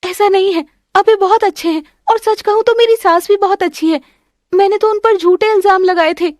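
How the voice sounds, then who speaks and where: A woman's voice: normal speed, no echo, studio quality. A woman voicing a tearful young married daughter who cries out and pleads. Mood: pleading. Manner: high, pleading, crying out. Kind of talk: Hindi family drama voice acting.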